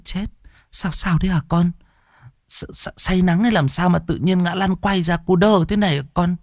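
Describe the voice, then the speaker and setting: A man's voice: medium pitch, animated, moderate pace, dry recording, studio quality, pitched above the performer's own voice, lightly acted. A man voicing a fretful, scolding middle-aged mother in a spoken horror story. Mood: worried. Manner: nagging, sharp-tongued.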